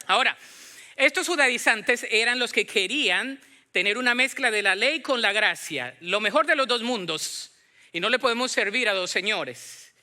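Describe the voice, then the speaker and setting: A man with a Latin American Spanish accent preaching as a pastor in a conversational, animated way, putting questions to his listeners. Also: very high-pitched, moderate pace. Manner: animated, acts out imagined dialogue, questions the congregation. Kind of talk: conversational Bible-teaching sermon.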